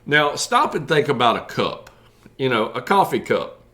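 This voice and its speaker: A man's voice: mid-range voice, very animated, moderate pace, bright, forceful tone. A man who breeds reptiles, explaining care tips in a casual, folksy way with many fillers.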